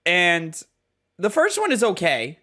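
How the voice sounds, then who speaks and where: A man co-hosting a casual gaming podcast, telling stories in an animated way and laughing often. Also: high voice, slow pace. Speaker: podcast co-host running the minigame. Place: podcast recording, indoors.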